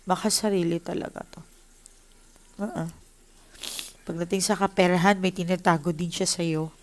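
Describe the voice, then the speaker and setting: A woman's voice: lowish voice, steady tone, moderate pace, slight background noise. Emotional woman reading tarot. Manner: emotional, mixes Tagalog and English; addresses viewers directly. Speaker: tarot reader. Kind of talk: casual tarot reading to viewers.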